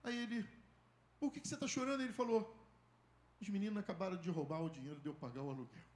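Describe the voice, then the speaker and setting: Male pastor, high voice, storytelling preacher who acts out his dialogue, echoey church sound. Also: fast. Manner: storytelling, acts out dialogue, swings from loud to hushed. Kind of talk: sermon.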